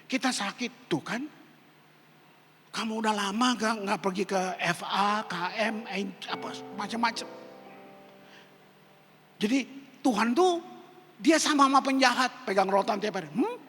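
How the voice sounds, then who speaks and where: A man's voice: high-pitched, a little slow, long pauses, fairly bright tone. A male pastor preaching a sermon, telling personal stories with acted-out quotes in casual slang. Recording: echoey hall with music behind.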